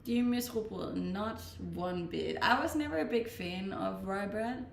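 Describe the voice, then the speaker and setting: Seated a bit back from the mic in a roomy space with faint background noise, a young Danish woman chats casually on a live stream. A native Danish speaker, she reads questions aloud and answers in an unhurried, relaxed way, her mid-range voice carrying a gravelly edge.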